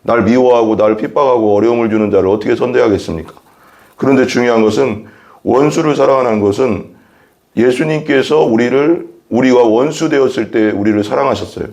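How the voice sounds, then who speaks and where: A man's voice: medium pitch, brisk, a little mellow. A man preaching a sermon as a pastor, reading Bible verses and explaining them earnestly, often repeating phrases and asking rhetorical questions.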